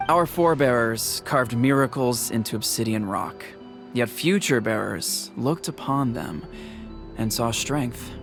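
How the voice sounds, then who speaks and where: An actor playing a calm, dignified, protective tribal chief in a video game, speaking in a measured, formal way. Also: male voice, medium pitch, close to an everyday voice. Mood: solemn.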